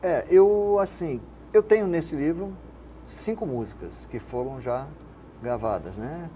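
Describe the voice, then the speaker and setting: An older Carioca man, interviewed about his life, with a somewhat high yet mellow, dark-toned voice. He talks in a rambling, reflective way, and a faint hiss of noise sits under the recording. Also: animated, measured pace. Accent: Carioca Brazilian Portuguese. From Rio de Janeiro, Brazil. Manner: reflective, rambling with frequent "né?" tags. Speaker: guest, radio station manager and poet. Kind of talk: casual interview conversation.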